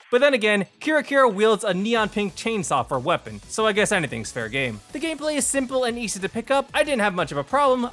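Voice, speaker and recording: A man's voice: high voice, a bit bright. A man narrating a scripted video review in a wry, emphatic way. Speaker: visual novel reviewer. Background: music.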